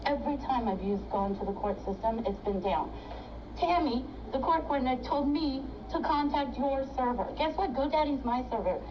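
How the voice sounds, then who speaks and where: Agitated woman arguing at a court counter. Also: sits high. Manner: agitated, indignant, rapid-fire complaining. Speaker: self-represented litigant filing a case. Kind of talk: filmed argument at a court clerk counter. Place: courthouse clerk's counter indoors. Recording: echoey, distant, muffled and noisy.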